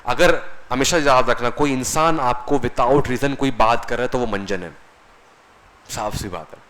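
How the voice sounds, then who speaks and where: A man's voice: medium pitch, measured pace, fairly bright tone, low-quality recording. A man teaching a classroom lecture as a computer course instructor, conversational, often asking the class questions and answering them himself.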